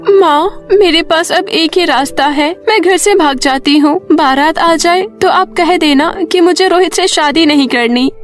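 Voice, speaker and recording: A woman's voice: very high-pitched, unhurried, few pauses, soft background music, pitched above the performer's own voice. A woman doing a tearful young bride. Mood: sad. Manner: distressed, pleading.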